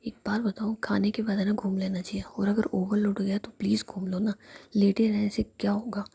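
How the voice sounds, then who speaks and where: A woman's voice: medium pitch, little pitch movement, a little fast, creaky, dark tone, husky. A woman whispering as a teasing young woman.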